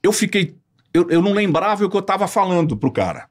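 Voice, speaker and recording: A podcast guest with a high-pitched voice tells a story at a quick pace in casual chat. He's an animated storyteller who acts out the voices of the people he quotes.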